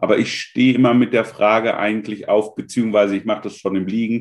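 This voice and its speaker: With ordinary pitch variation, a man's fairly low voice carries through his speech. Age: 40s. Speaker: leadership coach. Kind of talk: interview. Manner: hesitant fillers.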